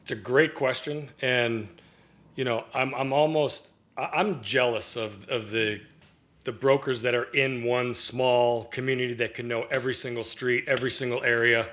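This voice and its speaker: A man's voice: medium pitch, fairly even intonation, normal speed, a bit bright. A man as a podcast guest, a real estate broker, giving a long-winded answer full of stories and restarts. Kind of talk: casual podcast interview.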